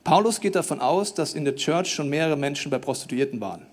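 A man preaching a sermon in a casual, colloquial way, swinging between loud emphatic pleading and low, quiet intensity, with acted-out asides. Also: lively intonation, a little fast.

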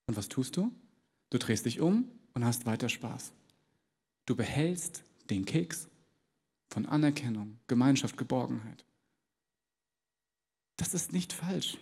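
A man's voice: medium pitch, animated, measured pace, darkish tone, husky, big-room sound. A man preaching a sermon in a large church, talking straight to his listeners and acting out small everyday dialogues. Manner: conversational, addresses listeners directly, acts out little dialogues.

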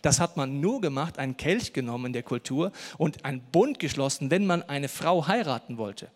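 A man with a high voice delivers a sermon in a storytelling manner and briefly plays the people in his story. A long reverb hangs on his voice, as if he is in a large hall. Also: animated, moderate pace. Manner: storytelling, acting out the disciples' voices. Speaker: preacher.

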